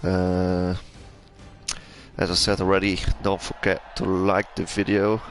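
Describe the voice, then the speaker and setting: Gravelly low Belgian-accented race caster. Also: male voice, completely flat delivery, slow. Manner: hesitant, many fillers and restarts. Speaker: race commentator. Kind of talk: sim racing commentary. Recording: game engine noise and loud music behind. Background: engine noise and music.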